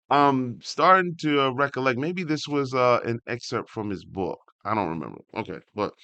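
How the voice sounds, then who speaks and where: A man hosting a read-along, reading an article aloud and breaking off into casual, animated asides. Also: fairly low pitch, dry recording.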